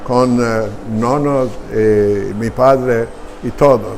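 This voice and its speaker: The speech moves at a very slow pace with fairly even intonation. Music plays in the background. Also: man. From Turkey, Izmir. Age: 80s+. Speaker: Ladino speaker, interviewee. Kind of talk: interview. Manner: halting, with frequent fillers.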